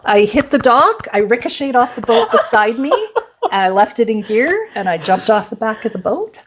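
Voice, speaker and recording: Animated woman in her fifties telling stories. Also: moderate pace, breathy edge. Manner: animated, acts out quoted dialogue with big pitch jumps and laughs. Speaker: guest, mother of the host. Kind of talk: casual storytelling chat.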